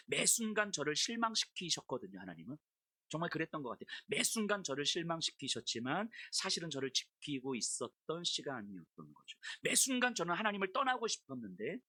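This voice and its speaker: A woman's voice: deep voice, bright, forceful tone, breathy edge, no echo. A middle-aged woman pastor giving a sermon, telling a personal story and at times raising her voice to replay her complaints.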